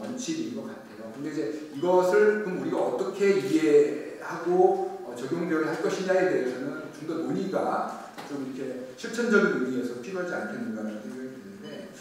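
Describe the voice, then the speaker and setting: A man speaking as a lawyer on a panel at a forum, measured and hesitant, often pausing with fillers. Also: high voice, far from the mic, a little hiss or hum. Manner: deliberate, hesitant, with frequent filler pauses. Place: conference hall at a public forum. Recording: echoey hall, picked up from afar.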